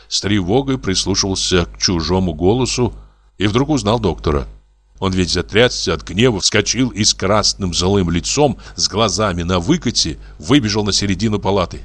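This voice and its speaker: A man reading a classic novel aloud as narrator, with a measured, expressive delivery. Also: low voice. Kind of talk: audiobook narration.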